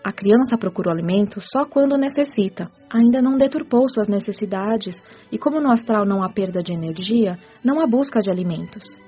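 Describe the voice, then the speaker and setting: An actress playing a kind, patient spirit caretaker who explains rules in a measured, teacherly radio drama delivery. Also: female voice, mid-range voice, animated, mellow, breathy edge. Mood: patient, instructive. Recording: muffled audio with music underneath.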